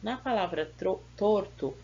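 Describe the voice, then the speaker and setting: A woman's voice: medium pitch, animated, a little slow, gravelly, mellow, breathy edge, lo-fi sound. A woman teacher with a Brazilian Portuguese accent, patiently going over schoolbook exercises and sounding out words syllable by syllable.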